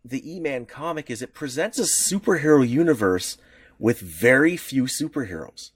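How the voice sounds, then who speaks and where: A man's voice: medium pitch, animated, normal speed, slightly rough. A man co-hosting a podcast, explaining comics history in a rambling, enthusiastic way with many restarts. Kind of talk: casual podcast chat.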